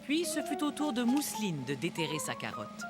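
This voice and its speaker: A woman narrator reading a scripted children's cartoon story with expressive storytelling. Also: medium pitch, fairly quick. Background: prominent music.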